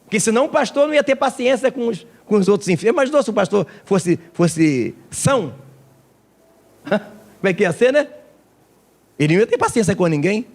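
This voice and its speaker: A male pastor preaching at a church service. His voice sits high for a man and jumps all over the place. A gravelly, creaky texture runs through his animated storytelling. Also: brisk, long pauses. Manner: animated storytelling with acted quotes. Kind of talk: sermon.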